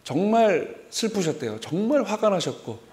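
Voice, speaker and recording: A man in his forties preaching a sermon, telling a personal story in an animated way and acting out remembered dialogue. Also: sits high, normal speed. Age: 40s.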